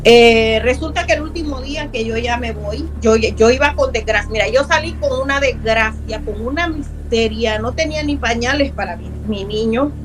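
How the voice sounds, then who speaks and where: Earnest woman, slightly high voice. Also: normal speed, few pauses, faint music behind, rough recording. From Honduras. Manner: earnest and emphatic, repeats words for stress. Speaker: guest telling a true haunting story. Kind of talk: personal storytelling in a conversation.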